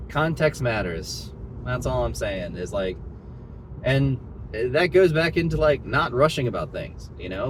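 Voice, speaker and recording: Audible room echo surrounds a man of medium pitch speaking at a fairly slow pace. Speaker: vlogger. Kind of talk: casual monologue. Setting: in a car. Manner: slurred words; halting, many fillers.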